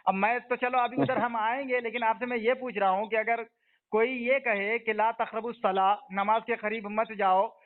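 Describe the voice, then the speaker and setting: A man's voice: extremely high pitch, fairly even intonation, moderate pace. A man leading a heated religious debate, pressing his opponent with repeated questions and interruptions. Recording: tinny phone-line audio.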